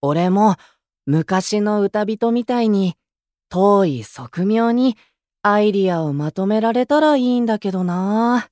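An actor playing a gentle, eager, boyish young male idol in a Japanese voice drama, friendly and earnest. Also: high voice, expressive, takes it slowly, no echo, clean studio sound. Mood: cheerful, earnest.

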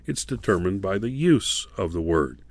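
A man hosting a Christian radio devotional program, speaking in a measured, deliberate way as he announces and teaches, repeating details for listeners. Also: low-pitched, expressive, darkish tone. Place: radio studio.

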